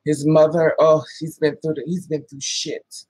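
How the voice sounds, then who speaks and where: A woman's voice: low-pitched, little pitch movement, moderate pace, a little mellow, slightly rough, no room sound. A woman in her thirties, vlogging a dating story in casual, profane storytelling, acting out both sides of the talk with laughing asides. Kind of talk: casual storytelling with quoted dialogue.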